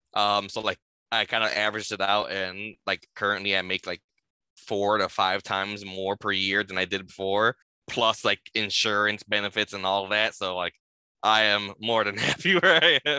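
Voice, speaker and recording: With a Chicago accent, a man speaks at a moderate pace in a bright, sharp tone at a fairly low pitch with fairly even intonation, the sound dry with no echo and the background quiet. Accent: Chicago American English. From Chicago, Humboldt Park. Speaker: tech sales training alumnus, former restaurant waiter; interviewee. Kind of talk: casual interview. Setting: video interview on camera. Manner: hesitant, many fillers. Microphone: headset.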